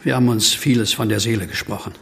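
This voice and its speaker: A troubled, haunted man in a horror radio play. His voice is very husky with a gravelly creak, and he speaks in a brooding, hesitant, anxious way. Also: fairly low pitch, steady tone, fast, fairly bright tone, heavily acted. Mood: uneasy. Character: troubled, anxious man who fears he is a werewolf. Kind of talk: German horror audio drama acting.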